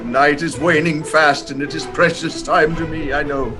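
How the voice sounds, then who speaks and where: A man's voice: fairly high pitch, steady tone, normal speed, loud music behind the voice, close to an everyday voice. A man playing an eager, fearful old miser in a theatrical audio drama. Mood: fearful, earnest. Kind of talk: theatrical radio drama acting.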